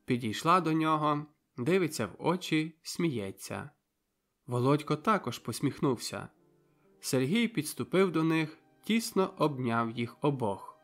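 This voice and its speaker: A man reading a novel aloud as an audiobook narrator, in a measured, even way. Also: on the high side, soft background music. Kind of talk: scripted narration.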